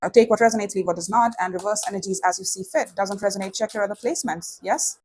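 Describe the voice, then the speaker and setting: A woman's voice: medium pitch, fast talker, a little mellow, breathy edge. Lisping woman reading tarot, slushy s sounds. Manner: conversational, checks in with tag questions like "right?" and "yes?". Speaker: tarot reader. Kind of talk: casual spoken tarot reading to viewers.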